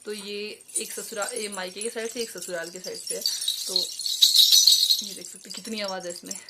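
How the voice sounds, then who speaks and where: A woman's voice: mid-range voice, level tone, normal speed. Chatty young woman, noisy home vlog. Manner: chatty, hesitant with many fillers and self-corrections. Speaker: vlogger. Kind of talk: casual show-and-tell vlog. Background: jingling jewellery and bells.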